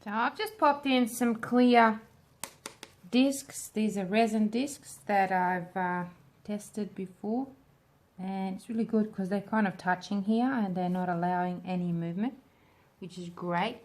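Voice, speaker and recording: A woman with a slight smoker's rasp hosting a casual hands-on craft tutorial, thinking aloud informally as she works. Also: medium pitch, fairly even intonation, measured pace, a little mellow. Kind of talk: casual hands-on demo chat.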